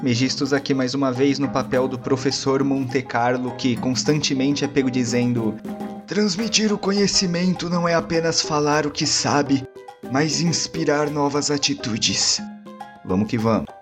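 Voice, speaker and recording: A man's voice: medium pitch, fairly even intonation, moderate pace. A man with a Brazilian accent giving a player introduction for a tabletop RPG show. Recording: music clearly behind the voice.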